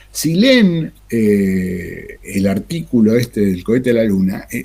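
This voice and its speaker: With a Rioplatense accent, a man speaks in a dark, mellow, somewhat breathy tone, his pitch swinging very widely. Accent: Argentine Rioplatense Spanish. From Argentina. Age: 60s. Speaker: history teacher. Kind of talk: lecture. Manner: halting.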